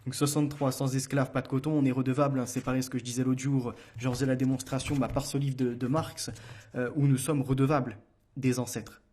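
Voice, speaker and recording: Argumentative man with a mellow voice. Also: mid-range voice, flat delivery, a little fast. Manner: argumentative, addresses listeners directly with rhetorical questions; frequent hesitations and restarts. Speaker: host of a commentary show. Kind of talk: solo political commentary, reading book passages aloud.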